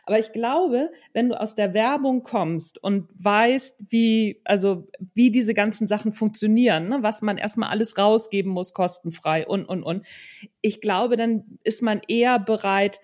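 A middle-aged woman with a medium-pitched voice hosts a casual interview. She talks in a chatty, conversational way, sharing her own experience and tossing in little questions to draw agreement. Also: a little slow, darkish tone. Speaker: interview host, coach and author.

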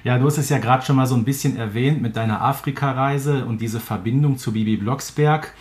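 Mann als lockerer Interviewer, mittlere Stimmlage. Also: male voice, mid-range voice, brisk. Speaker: podcast interviewer. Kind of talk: casual interview talk.

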